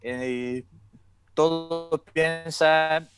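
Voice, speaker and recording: A young man whose first language is English, speaking hesitant Spanish full of fillers and pauses as he searches for words, on a video call through an earphone mic. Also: on the high side, fairly even intonation, music in the background. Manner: gestures while talking. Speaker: guest. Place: room with curtain, indoors.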